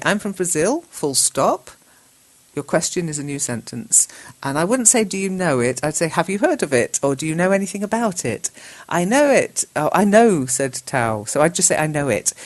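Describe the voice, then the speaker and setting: A woman works through learners' chat messages. She reads each line aloud and corrects it. She spells the words out letter by letter at a patient teacher's pace. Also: deep voice. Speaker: English teacher host.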